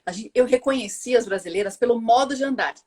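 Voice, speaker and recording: A woman from Brazil hosting a casual live chat, telling stories in an expressive, animated way. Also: on the high side, fast. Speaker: host. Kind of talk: casual live-stream conversation.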